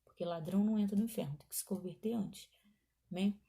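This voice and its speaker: This woman pastor speaks quickly, her medium-pitched, warm voice showing vocal fry and a breathy edge. In her sermon she recounts an emotional testimony straight to the congregation, referring to them as brothers.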